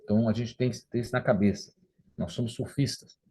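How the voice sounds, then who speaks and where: A middle-aged man giving a motivational lecture, with a warm, darker tone and a slightly husky edge to his voice. He talks to the audience conversationally and keeps tagging his points with quick rhetorical questions. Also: mid-range voice, steady tone. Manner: conversational, tags sentences with rhetorical "né?".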